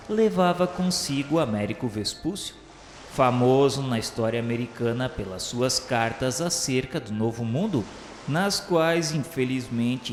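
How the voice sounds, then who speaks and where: A man's voice: medium pitch, slight background noise. Echo-laden Brazilian male narrator. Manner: formal, literary, measured storytelling. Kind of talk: solemn scripted narration of a radio novela. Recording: echoey hall reverb, music underneath. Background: background music.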